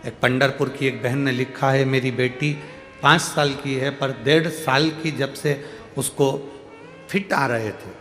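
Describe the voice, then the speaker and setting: A male Hindu storyteller preaches at a middling pitch. He speaks emphatically, repeating lines and stretching words for effect. His voice rings through a large venue's loudspeakers with long reverb, and music sounds behind him. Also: steady tone, unhurried. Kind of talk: devotional sermon to a gathering, reading out devotees' letters. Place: large public religious gathering.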